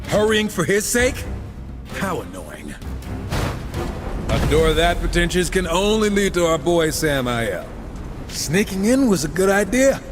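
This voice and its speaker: A cocky, wisecracking supernatural horseman. His voice sits a little high and swings freely, casual and sarcastic, with game music behind it. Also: sing-song, a little slow, long pauses. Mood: teasing. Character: cocky, wisecracking male horseman gunslinger, irreverent. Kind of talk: video game cutscene acting.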